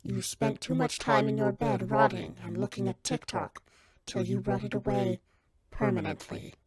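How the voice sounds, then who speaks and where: A woman's voice: medium pitch, steady tone, normal speed, over a noisy crowd, close to an everyday voice. A woman playing an imperious, exasperated God in a comedy skit, solemn in pronouncements but bluntly sarcastic.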